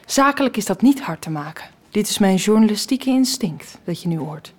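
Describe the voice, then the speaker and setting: An actress playing an excitable, scatterbrained editor-in-chief of a small local paper who rambles dramatically in a radio comedy. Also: female voice, medium pitch, moderate pace, close to an everyday voice. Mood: rambling. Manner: rambling, dramatic, talks herself off track.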